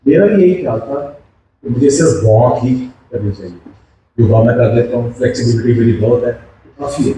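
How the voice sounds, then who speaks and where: Very echoey distant recording, faint noise, mellow man in his sixties, Pakistani accent, explanatory health talk. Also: mid-range voice, moderate pace. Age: 60s. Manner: explanatory, poses questions, mixes in English terms. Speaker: health educator.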